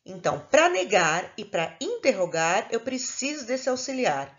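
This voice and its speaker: A woman's voice: on the high side, big pitch swings, unhurried, fairly bright tone, dull audio. A woman teaching a recorded lesson, explaining patiently step by step and checking in with her students. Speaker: English teacher.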